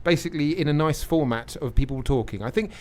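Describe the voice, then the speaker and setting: A man co-hosting a radio show, bantering in a fast, teasing, rambling way. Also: a little high, darkish tone.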